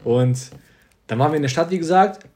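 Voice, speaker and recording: Ein junger Mann, Co-Host eines Podcasts, der locker und mit viel Jugendslang erzählt und oft lacht. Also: male voice, a little high, a little fast, darkish tone. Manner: slangy, laughs often, jokey storytelling. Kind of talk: casual podcast chat.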